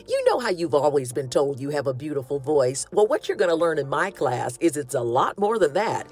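A woman talk show host with a Southern US accent, a loud voice and a big laugh, talking in a lively, folksy way. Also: low voice, fairly quick, breathy edge. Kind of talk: casual chat and promo.

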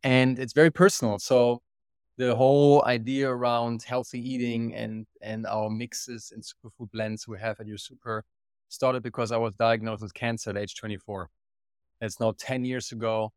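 A man with a German accent speaks as an interview guest, earnest and often restarting his sentences. His voice sits at a middling pitch. The sound is dry and close, with no room echo. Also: level tone, normal speed, darkish tone, smooth. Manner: earnest, many restarts and repeated words. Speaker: guest, company co-founder and CEO. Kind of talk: casual interview chat.

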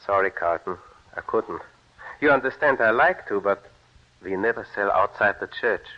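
A pious immigrant farmer speaks plainly and formally, voiced by a man. His voice sits a little low. The sound is dull and lo-fi, like an old radio broadcast. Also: animated, moderate pace, lightly acted. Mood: earnest. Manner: earnest, plain-spoken, formal. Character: devout Mennonite immigrant farmer, middle-aged man. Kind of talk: 1940s radio acting.

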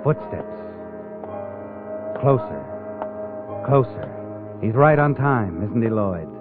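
Ominous, taunting radio-drama narrator, theatrical and knowing, music underneath, thin vintage broadcast sound. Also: male voice, medium pitch, animated, slow pace. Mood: urgent, menacing. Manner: taunting, theatrical, addresses the character directly. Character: ominous, knowing male narrator haunting tales of crime. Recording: tinny old radio recording, music behind.

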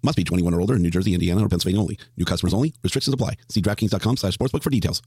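A man rattling off a fast legal disclaimer in a rapid-fire recital at the end of an advert. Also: low voice, darkish tone, husky, no echo, studio quality. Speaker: ad disclaimer reader.

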